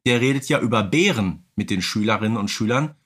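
A man's voice: on the low side, lively intonation, a little fast, a bit bright, breathy edge. A man talking in an explanatory, conversational way as co-host of a casual podcast, often adding tag questions.

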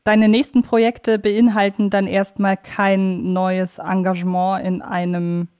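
Woman podcast host, medium pitch. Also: little pitch movement, a little slow, a little mellow, clean tone. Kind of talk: conversational podcast interview hosting.

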